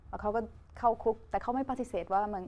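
A woman of twenty-four from Brazil, a Portuguese speaker, answering casually as an interview guest in simple, halting second-language phrases with repeats. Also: mid-range voice, a little mellow, dull audio. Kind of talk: casual talk-show interview. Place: TV studio, indoors. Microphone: clip-on lapel mic. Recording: noisy studio ambience.

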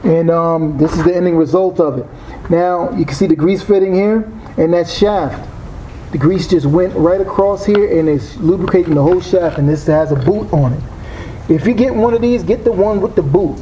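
Mellow laid-back dude rambling through his car project in a garage, faint noise behind, slangy. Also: high-pitched, normal speed, poor audio. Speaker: car restoration vlogger. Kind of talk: casual how-to commentary. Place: garage workshop and outdoor junkyard.

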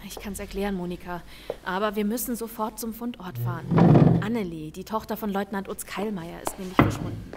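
An actress playing a diligent female police lieutenant in an audio drama. She is earnest and businesslike at a medium pitch, with clear ambient noise behind her. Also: brisk, lightly acted. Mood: concerned. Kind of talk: German audio drama acting.

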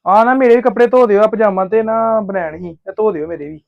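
A man's voice: sits high, a little fast, creaky, dry recording, dull audio. A man playing a cheeky young brother-in-law who casually begs for a favor. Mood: coaxing. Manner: pleading, casual.

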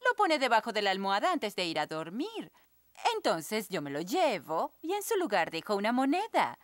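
A woman voicing a brisk, bossy fairy nanny in a Latin American Spanish cartoon dub. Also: medium pitch, huge pitch swings, no echo, clean studio sound. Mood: proud. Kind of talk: children's cartoon dub acting.

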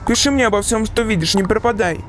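A woman's voice: on the high side, quick pace, faint music behind, voice pushed down, lightly acted. A woman voicing a sceptical but concerned young man in a horror text-message story. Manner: questioning, mildly exasperated.

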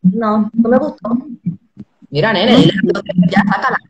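A woman hosting a casual live video chat from home on a phone, animated, with many fillers. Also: fairly high pitch, normal speed, slightly rough, lo-fi sound. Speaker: host.

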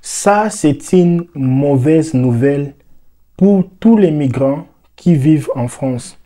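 A young Congolese man explaining the news to the camera, with lots of repeated words and fillers, on a lapel mic in a dark room. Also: fairly high pitch, slow, a little hiss or hum. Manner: animated, repeats words, many "euh" fillers. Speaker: vlogger.

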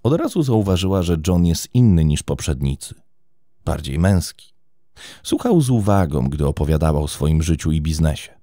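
A man's voice: extremely low pitch, moderate pace, no echo, studio quality. A man narrating a true crime story in a scripted, theatrical storytelling style. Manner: expressive, theatrical storytelling delivery.

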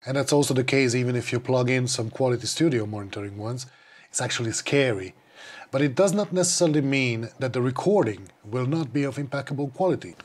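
Brief: man in his forties, mid-pitched, explaining gear plainly, small studio clip-on mic. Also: darkish tone. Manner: explanatory, matter-of-fact. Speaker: podcast gear reviewer. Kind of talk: scripted product review. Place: small dim studio, indoors. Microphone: clip-on wireless mic.

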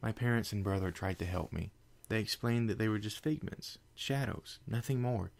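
A man voicing a panicky young female unicorn scholar in a fan story reading, raising his voice high. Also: moderate pace, gravelly. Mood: confessional. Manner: frantic, high-pitched and breathless.

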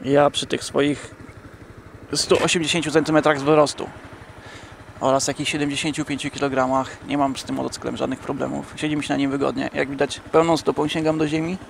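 A young man talking casually to viewers while riding a motorcycle through city traffic, in a relaxed, chatty way. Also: mid-range voice, vocal fry. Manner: relaxed, chatty, addresses viewers directly, drawn-out fillers. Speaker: motovlogger. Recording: helmet mic with wind and traffic noise.

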